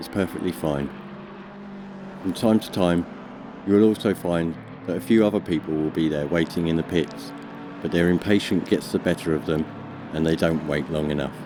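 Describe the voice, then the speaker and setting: Noticeable background noise sits under a man's speech. His pitch is very deep and low, with lively intonation. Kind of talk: tutorial narration.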